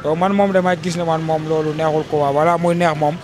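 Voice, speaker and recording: A young Senegalese man with a slightly high voice speaks steadily and with conviction, going back over his point more than once. Handheld mics are held close to him outdoors. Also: steady tone, a little fast, music in the background. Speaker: local resident interviewee. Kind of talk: street interview. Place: outdoors by a wall. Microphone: handheld reporter mics held close.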